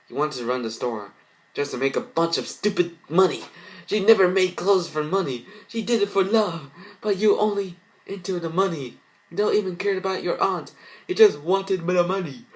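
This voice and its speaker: A man voicing a kind-hearted young female fashion designer, emotional and halting, in an amateur story reading. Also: high voice, voice pushed up, lightly acted, low-quality recording. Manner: emotional, halting, repeats words.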